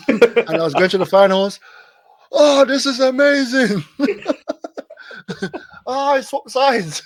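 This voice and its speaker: A man's voice: extremely high pitch, expressive, slow, long pauses, no echo. A man co-hosting a wrestling podcast, telling stories casually and laughing as he talks. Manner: laughs through his stories. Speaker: co-host.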